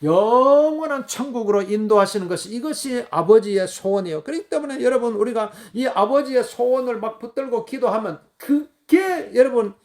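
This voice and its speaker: A man's voice: very high-pitched, animated, moderate pace, few pauses, a little mellow. A male pastor preaching a sermon in an emphatic, rambling way, full of fillers, and bursting into wailing prayers as he quotes them.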